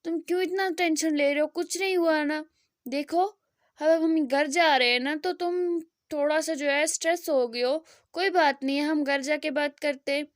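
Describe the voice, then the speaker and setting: A woman reads the part of a caring young man whose high, clear voice leans gently into pleading questions. He coaxes and soothes with soft insistence, told storybook-style in a dry, close recording. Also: moderate pace, no room sound, natural voice. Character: worried tender young man soothing his partner.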